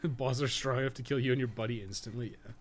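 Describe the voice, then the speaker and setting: A man's voice: mid-range voice, steady tone, fast talker. A man giving casual, unscripted gameplay commentary as a streamer, rambling and thinking aloud with frequent swearing. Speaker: game streamer and podcast co-host. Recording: clearly noisy background.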